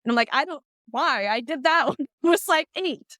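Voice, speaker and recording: Podcast host lady, high pitched and crisp, talks thru ideas w asides, dry mic. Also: moderate pace, dry recording. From Iceland. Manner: chatty, lively, talks through ideas with asides. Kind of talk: casual conversation.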